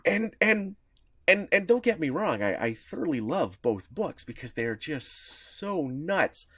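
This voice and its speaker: Excitable man in a dry booth. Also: fairly high pitch, measured pace, husky, dry recording. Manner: enthusiastic, rambling with frequent restarts. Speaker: podcast co-host. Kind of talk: casual chat.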